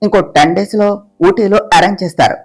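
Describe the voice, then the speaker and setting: A man's voice: sits high, quick pace. A woman voicing an eager, cheerful young man who pleads and talks with enthusiasm.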